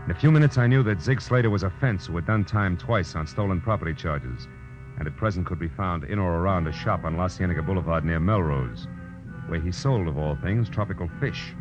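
An actor playing a tough, wry private detective in a 1940s radio drama, with a terse, wisecracking delivery. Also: male voice, sits low, a little fast, over music. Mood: wry, brisk. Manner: terse, wisecracking, deadpan narration. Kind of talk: 1940s radio acting, first-person narration. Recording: muffled old radio recording.

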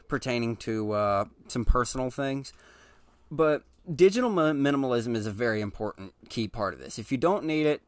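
A man hosting a casual solo podcast, talking to listeners directly in a relaxed, chatty way with frequent ums and restarts. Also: medium pitch, dry recording. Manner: addresses listeners directly and informally. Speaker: podcast host.

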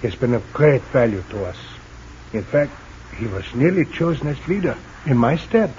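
A man's voice: medium pitch, sing-song, moderate pace, a little mellow, natural voice. Man voicing formal young resistance leader, courteous, dull old radio sound, faint hiss. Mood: earnest. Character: polite Dutch underground leader, young man. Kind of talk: 1940s radio acting.

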